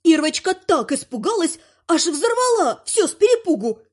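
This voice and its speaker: Dude putting on a squeaky tipsy chinchilla gal, high and bouncy. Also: male voice, very animated, moderate pace. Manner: squeaking, chattering.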